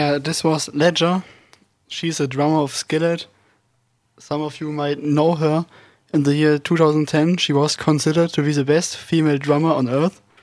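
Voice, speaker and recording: Fairly high in pitch, a man speaks with monotone, flat intonation. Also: moderate pace. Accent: German. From Germany. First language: German. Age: young. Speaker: volunteer radio host. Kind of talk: casual chat.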